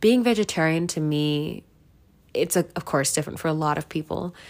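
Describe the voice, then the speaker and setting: In a General American accent, a woman speaks with a very deep, low pitch on a very clean recording with a silent background. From United States, Indian immigrant family. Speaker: podcast host. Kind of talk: solo podcast monologue.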